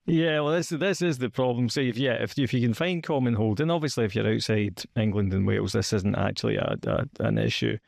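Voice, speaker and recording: A man from Scotland with a Scottish accent, interviewing a guest in a relaxed, hedging way with frequent fillers. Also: mid-range voice, fairly quick, gravelly, few pauses, no echo, clean studio sound. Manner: hedging, questions full of fillers and restarts. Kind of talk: conversational interview.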